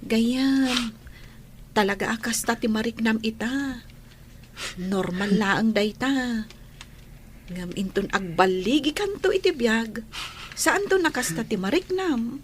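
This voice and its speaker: A woman's voice: a little high, slow, long pauses, a little hiss or hum. A woman playing a sympathetic teenage schoolgirl and loyal classmate in an audio drama, earnest and youthful. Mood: consoling. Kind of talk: Ilocano radio-style drama acting.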